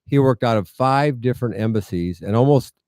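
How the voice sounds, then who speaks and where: A man's voice: mid-range voice, fairly quick, darkish tone, no room sound, clean studio sound. A middle-aged man with an American Midwestern accent, telling a story earnestly and with wry humor as an interview guest. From United States, rural Iowa. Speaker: interview guest, medical mission founder. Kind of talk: conversational storytelling.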